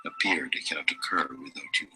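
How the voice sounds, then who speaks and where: A man giving a slow, meditative reading of spiritual teachings, measured and deliberate, with long pauses. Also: rumbling low, whispered, loud music behind the voice.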